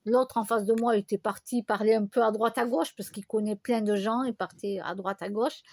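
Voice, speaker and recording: A woman's voice: medium pitch, fairly even intonation, fairly quick, darkish tone, no room sound. A woman chatting casually to her viewers, telling a rambling story full of fillers and restarts. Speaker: vlogger. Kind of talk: casual chat to camera.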